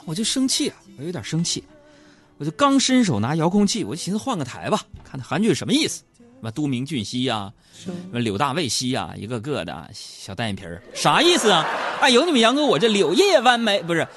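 With huge pitch swings and a quick, slightly bright delivery, a host from Northeast China performs a playful comic monologue, teasing and popping into high mock voices. Soft music and a faint crowd can be heard in the background.

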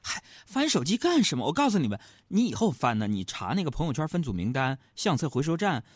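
A man's voice: fairly high pitch, big pitch swings, fast, breathy edge, no echo, clean studio sound. A middle-aged man, hosting a comic storytelling monologue. He is chatty and teasing and keeps asking his audience rhetorical questions. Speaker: comedy talk show host.

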